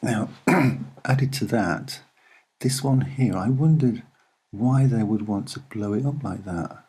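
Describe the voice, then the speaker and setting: A soft-spoken man with a husky voice, giving a casual, musing and hesitant commentary as he explains what he sees. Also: on the low side, slow. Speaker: video narrator.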